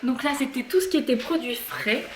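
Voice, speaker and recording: A woman talking casually through a haul vlog at home, chatty and halting with many fillers. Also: sits high, reverberant, heavy background noise. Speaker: vlogger. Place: home kitchen and garage.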